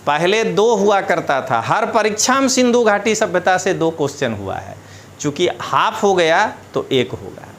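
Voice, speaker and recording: A man teaching an exam syllabus lecture, explaining in a lively way and checking in with his students. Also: sits high, normal speed, a little hiss or hum. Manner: animated, explanatory, addresses students directly with rhetorical checks.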